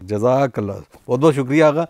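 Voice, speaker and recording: A man's voice: mid-range voice, darkish tone, no echo. A man hosting a studio TV program, politely thanking the scholar and reading out viewers' questions. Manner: polite, reads viewer questions, frequent affirmations. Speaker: host. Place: television studio.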